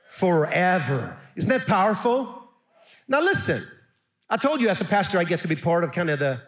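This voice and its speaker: Man, pastor, from Sweden, middle-aged, sermon, fairly high voice, animated. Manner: animated, calls for audience responses.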